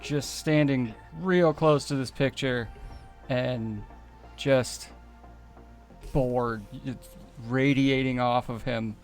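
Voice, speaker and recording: Male tabletop player, medium pitch, casual improvised description, music underneath. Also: steady tone, slow pace.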